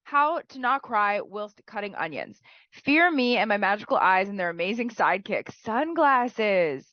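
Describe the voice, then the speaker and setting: A woman's voice: medium pitch, very animated, a little slow, no echo, highs cut off. A woman teacher who is sick and sounds nasal, giving chatty writing feedback and often tagging "right?" onto her sentences.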